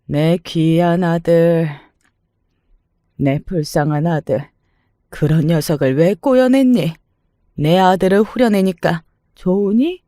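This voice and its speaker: A man voicing a spiteful, domineering elderly mother-in-law who talks in a slow, sneering drawl. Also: a little high, warm tone, dry recording, studio quality. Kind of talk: storytelling drama.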